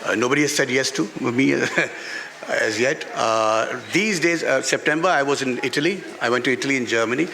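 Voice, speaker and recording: A man with a Pakistani accent talks as an author on stage, his voice bright and forceful. He halts and repeats phrases for emphasis. The recording has long hall reverb and some faint noise. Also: medium pitch, moderate pace, vocal fry. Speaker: author and playwright being interviewed. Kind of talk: unscripted talk on stage at a book event. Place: festival stage before an audience.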